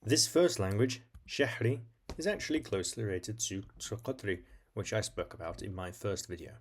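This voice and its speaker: A man's voice: lowish voice, moderate pace, husky. A man hosting an educational video, reading scripted narration in an explanatory style. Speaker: video host.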